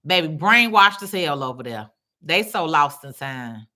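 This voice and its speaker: At a measured pace and a low pitch, a Chicago-accented woman chats with her livestream audience over her phone. Her replies to comments are blunt, full of slang and animated, and she keeps calling people baby.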